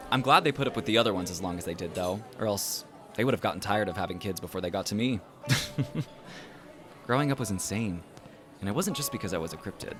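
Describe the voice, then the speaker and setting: Lively, joking young man, played by an actor. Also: on the low side, quick pace, lightly acted. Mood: wry, casual. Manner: casual, joking. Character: easygoing young cryptid man, a joking, reassuring friend. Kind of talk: acted dialogue in an audio drama podcast.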